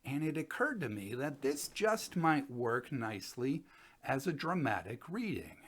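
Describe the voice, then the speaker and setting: A man's voice: medium pitch, very animated, a little slow, a bit bright, slightly rough. An older man, presenting and explaining casually to camera. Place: small room at home.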